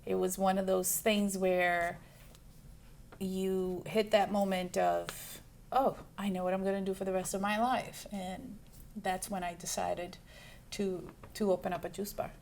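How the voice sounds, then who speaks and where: A woman's voice: mid-range voice, level tone, a little slow, gravelly, a little mellow. Chatty woman from Brazil, faint hiss. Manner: chatty, lists things with many ums and restarts. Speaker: juice bar owner. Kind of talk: casual interview answers.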